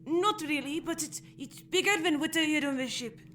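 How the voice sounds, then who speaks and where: A woman voicing an anxious, sheltered young boy in an audio drama, hesitant and halting. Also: sits high, a bit bright, a little hiss or hum, pitched above the performer's own voice.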